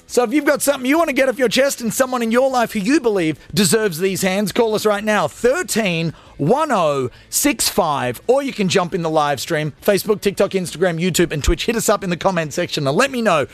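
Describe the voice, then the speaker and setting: A young Australian man hosts a talk radio show from a studio, venting crudely and comically. His voice sits high for a man. A faint music bed runs underneath. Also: animated, fairly quick, few pauses, no echo. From Australia (Gold Coast, Queensland). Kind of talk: energetic talk radio monologue.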